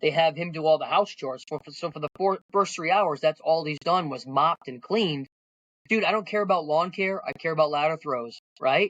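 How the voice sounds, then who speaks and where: With an American accent, a man speaks at a fairly quick pace with ordinary pitch variation, the sound dry and close with no echo. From Connecticut. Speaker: firefighter and fire service instructor. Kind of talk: casual interview chat. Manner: halting, frequent fillers and restarts.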